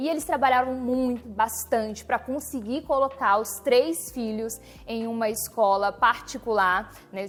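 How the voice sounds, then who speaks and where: At a fairly slow pace, a woman with an unremarkable speaking voice uses ordinary pitch variation. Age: 30s. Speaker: civil service exam coach. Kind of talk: documentary interview.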